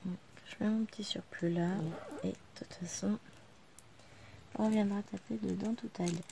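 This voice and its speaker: Chatty woman with a gravelly voice. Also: medium pitch, fairly even intonation, normal speed, noisy background. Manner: chatty, talking quietly to the camera while working. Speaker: vlogger. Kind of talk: casual chat while crafting. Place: living room at home.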